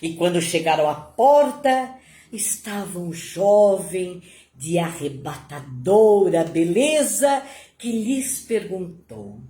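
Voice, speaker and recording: A woman telling a devotional story in a slow, dramatic, emotional way. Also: fairly low pitch, big pitch swings, dark tone. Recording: roomy echo.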